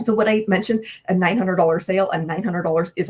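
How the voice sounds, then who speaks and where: A woman's medium-pitched voice, very fast and animated in tone with ordinary pitch variation, over noticeable background noise. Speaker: online business coach. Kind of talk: sales pitch.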